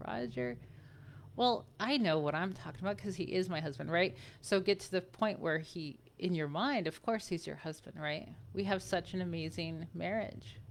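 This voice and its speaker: A woman's fairly low voice with vocal fry and very wide pitch swings, moderate pace broken by long, frequent pauses, on a very clean recording with a silent background. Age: 40s. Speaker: manifestation coach. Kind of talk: live stream chat. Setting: Facebook live stream. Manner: casual, halting.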